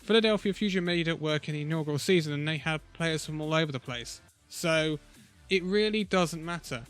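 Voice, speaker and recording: A man who is a little ill and losing his voice gives an opinionated, conversational esports roundup with pauses. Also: a little high, fairly bright tone, clear, resonant tone, soft background music. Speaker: esports video host. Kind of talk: casual esports commentary vlog.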